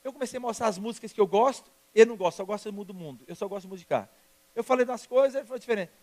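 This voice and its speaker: A man voicing his teenage daughter as she calmly explains her decision. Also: high-pitched, very fast, pitched above the performer's own voice, lightly acted. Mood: matter-of-fact. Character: teenage daughter, calm and decided.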